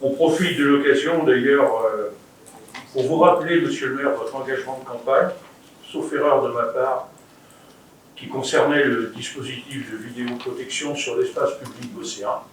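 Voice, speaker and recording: A man with a French accent speaks up as a councillor in a heavily echoing room, some way from the microphone. His delivery is formal and halting yet pointed, at an ordinary pitch, with faint noise around him. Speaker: local councillor responding at meeting. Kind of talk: formal political remarks at a council meeting. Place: indoor council meeting room. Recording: very echoey meeting room, distant mic, faint noise.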